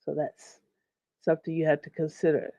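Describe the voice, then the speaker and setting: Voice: mid-range voice, monotone, moderate pace, creaky, dark tone, dry recording, highs cut off. A host of a live online business series, slightly nasal from getting over a cold, teaching in a conversational way and greeting viewers in the chat by name. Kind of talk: live-streamed business lesson.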